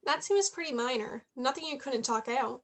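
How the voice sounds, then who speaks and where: A woman's voice: high voice, moderate pace, fairly bright tone. A woman playing a playful, persistent eighteen-year-old journalism student in a play reading, chatty and probing. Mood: reassuring. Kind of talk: staged reading of a play, naturalistic dialogue.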